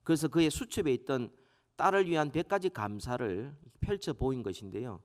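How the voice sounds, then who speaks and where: A male pastor preaching a sermon in a church, stressing key words by rising louder and slowing down. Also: medium pitch, animated. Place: church sanctuary. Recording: long reverb of a church hall.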